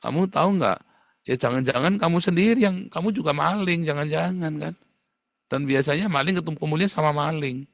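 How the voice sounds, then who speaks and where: A man preaching a livestream sermon as pastor, blunt and scolding, with sudden jumps to a high pitch for emphasis. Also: brisk, creaky, no echo.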